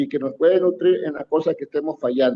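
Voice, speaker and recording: The speaker is a man. His intonation is lively. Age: 70s. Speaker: retired mathematics professor, election watchdog. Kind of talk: panel interview. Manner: emphatic.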